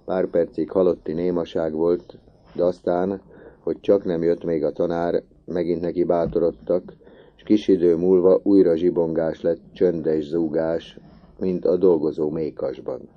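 A man reading a classic novel aloud as an audiobook narrator, measured and expressive. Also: deep voice, lo-fi sound.

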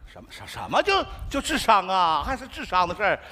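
On stage before a live audience, a man performs a northeastern comic sketch, sly and stammering as he wheedles his way along. His voice sits high, sing-song and sharp, and fairly quick. The stage recording is noisy.

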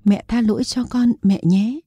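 An earnest young soldier home from the front speaks up in a raised, lifted voice , as a woman narrator reads him. His tone is husky and dark, recorded close and dry for a storybook. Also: mid-range voice, normal speed, no echo, highs cut off, pitched above the performer's own voice, natural voice. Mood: tearful. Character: young man, soldier back from war, emotional.

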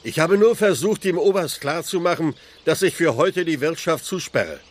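An actor playing a firm but deferential village innkeeper in a German radio play. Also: male voice, fairly high pitch, lively intonation, normal speed. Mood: respectful.

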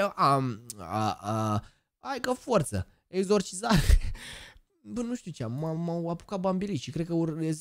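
A man in his twenties, live streaming and chatting, hyper and joking, bursting into shouted catchphrases. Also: on the high side, dry recording, clean studio sound. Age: 20s. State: over-excited. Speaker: gaming streamer.

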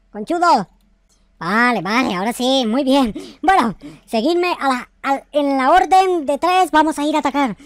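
An excitable little noob warrior, voiced by a man for a video game roleplay. The voice is very high and close, with no room sound. He is slangy and foul-mouthed and repeats his words, while music plays behind him. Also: no room sound. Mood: cocky. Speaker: gaming YouTuber. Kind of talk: improvised Minecraft roleplay. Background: background music.

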